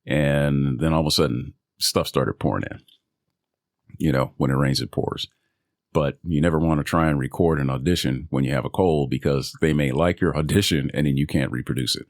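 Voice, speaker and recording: A voice actor talking casually and loosely about auditions and coaching, with self-amused laughs. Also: male voice, very deep voice, normal speed, gravelly, no echo, studio quality. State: recovering from a cold. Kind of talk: casual solo vlog. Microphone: studio microphone.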